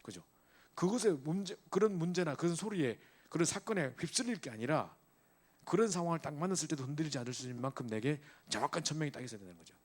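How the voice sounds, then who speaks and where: A man's voice: fairly high pitch, animated, quick pace, slightly rough. A middle-aged male pastor preaching an emphatic sermon to a church youth group, asking rhetorical questions and checking in with his listeners again and again.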